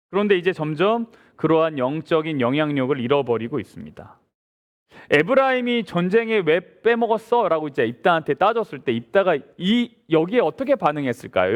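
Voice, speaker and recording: Male pastor, sermon delivery, higher register, very expressive pitch, questions the congregation. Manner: lively, asks the congregation rhetorical questions. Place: church sanctuary.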